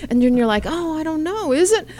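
A woman's voice: high-pitched, sing-song, brisk, warm tone. A woman co-hosting a podcast, a comedian with a light, young-sounding voice, chatting in a giggly, self-deprecating way. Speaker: co-host and comedian. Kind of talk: casual podcast chat.

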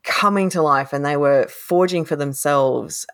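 An Australian woman co-hosting a podcast, talking through a novel in a thoughtful, animated way and laughing often. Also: sits low, measured pace. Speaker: podcast co-host, critic. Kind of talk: casual book discussion.

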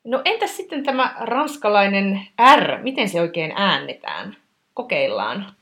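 A woman's voice: medium pitch, sing-song, vocal fry, sharp tone. A woman co-hosting a lesson, asking curious, informal questions.

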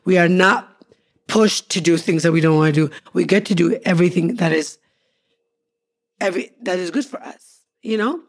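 A woman's voice: fairly low pitch, moderate pace, long pauses. A woman in her forties co-hosting a casual couple's podcast, earnest and upbeat, stacking her points in lists. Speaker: podcast co-host.

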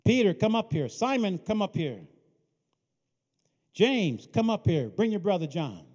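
A man playing a calm, commanding male teacher who calls his followers forward in a firm, raised voice. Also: high-pitched, slow pace, full character voice. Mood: calling. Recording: reverberant hall.

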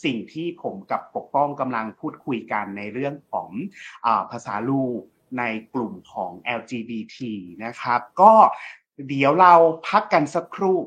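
A man's voice: medium pitch, normal speed. Man co-hosting, explaining at ease. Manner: relaxed and explanatory, with frequent fillers. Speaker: co-host. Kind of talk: casual discussion podcast.

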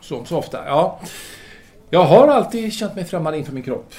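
A man's voice: on the high side, big pitch swings, a little mellow. An actor playing a self-absorbed French intellectual lover in an audio drama, speaking formally and hesitantly as he earnestly justifies himself. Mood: confiding. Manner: formal, halting, theatrical hesitations.

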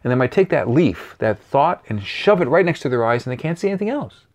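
A man speaking as a guest coach in an interview, animated and repeating key phrases for emphasis. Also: mid-range voice, fairly quick. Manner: animated, acts out voices and sounds. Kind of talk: interview answering questions.

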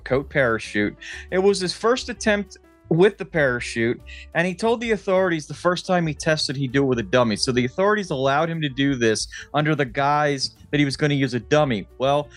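An American man co-hosting a podcast, telling stories in a casual, comedic way, swearing freely and laughing as he talks. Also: on the high side. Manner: laughs while talking, swears freely, jokey storytelling. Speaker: podcast co-host.

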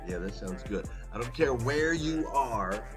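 A man hosting a motivational morning livestream, hoarse as if losing his voice, talking emphatically and chattily straight to his listeners and repeating phrases for effect. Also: mid-range voice, animated, a little slow, over music. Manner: folksy, chatty direct address to listeners. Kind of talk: motivational live talk to an audience.

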